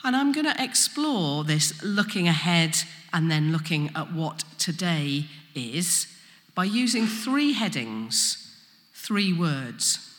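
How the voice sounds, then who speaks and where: Flat-vowelled East Midlands woman preaching. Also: lowish voice. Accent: East Midlands English, Leicestershire. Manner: deliberate, explanatory, emphasising key words. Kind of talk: sermon. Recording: long reverberant hall echo.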